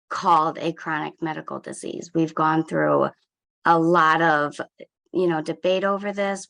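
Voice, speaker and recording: A woman's voice: low-pitched, gravelly, fairly bright tone. A woman peer recovery coach giving a webinar presentation in a conversational way, with loose phrasing and fillers, over a computer mic on a video call. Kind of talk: presentation talk.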